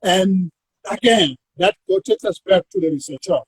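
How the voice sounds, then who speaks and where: High-voiced husky South African man. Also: wildly swooping pitch, no echo. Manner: measured, stretches words while thinking. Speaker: university academic. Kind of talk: academic discussion.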